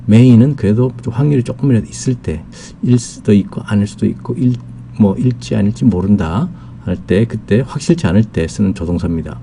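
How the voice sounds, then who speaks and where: A man teaching an English lesson on video, explaining slowly and carefully with many fillers and reading English example sentences very slowly. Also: lowish voice, gravelly, dark tone, a little hiss or hum.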